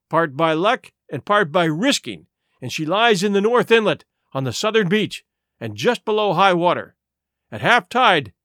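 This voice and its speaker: An earnest, remorseful teenage boy, as a male narrator puts him on, raising his voice higher than the reader's own. The delivery rises and falls a lot and sounds close and dry. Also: a bit bright, no room sound, full character voice.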